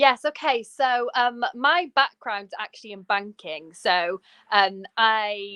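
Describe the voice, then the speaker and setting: Delivered at a very slow pace with a Welsh accent, this voice has lively intonation and big swings in loudness. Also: woman, fairly high pitch for a woman. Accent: Welsh twang. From West Wales. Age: 30s. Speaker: business coach and entrepreneur. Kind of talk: podcast interview.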